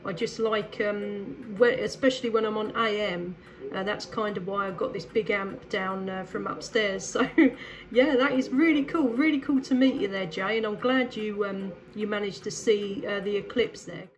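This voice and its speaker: A woman's voice: medium pitch, moderate pace, low-quality recording. Friendly English woman chatting on radio. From England. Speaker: CB radio operator. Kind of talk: casual radio chat.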